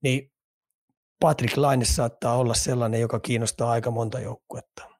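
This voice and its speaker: A man's voice: mid-range voice, fairly even intonation, gravelly, darkish tone, no room sound, studio quality. Finnish man musing over hockey trades. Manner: speculative, rambling, repeats words while thinking. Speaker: podcast co-host, hockey analyst. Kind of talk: casual sports podcast chat.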